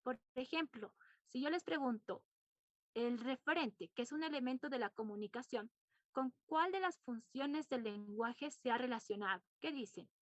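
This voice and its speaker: Woman teacher lecturing her class, repeats stuff and quizzes them, kinda high voice, dull dry sound. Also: expressive, normal speed, no echo. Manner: explains patiently, repeats points and quizzes students.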